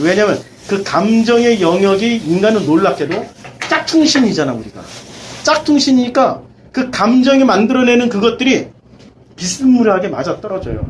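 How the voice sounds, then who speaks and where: A male pastor leading a Bible study, firing rhetorical questions and sliding between casual and polite speech, swinging from loud emphasis to quiet asides. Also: high voice, slight background noise, poor audio.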